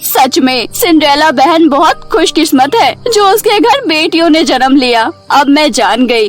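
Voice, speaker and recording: Woman as very high-pitched scolding mother. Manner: emphatic, indignant. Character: stern, scolding mother of a grown son. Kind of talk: cartoon story voice acting.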